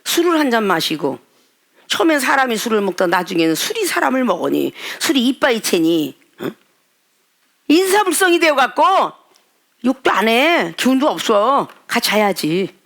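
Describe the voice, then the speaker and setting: A woman pastor delivering a fervent sermon in a high voice that swoops widely between registers. She drops into low, confiding asides, then climbs to crying shouts, and she keeps pressing her listeners with blunt rhetorical questions. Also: very animated, normal speed, gravelly. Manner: colloquial, scolding rhetorical questions.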